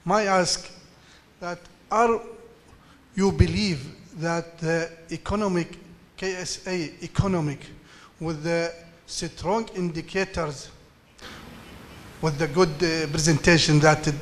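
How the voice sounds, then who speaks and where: Slow, high-voiced man. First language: Arabic. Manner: halting non-native English. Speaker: audience questioner. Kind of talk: spoken question at a conference.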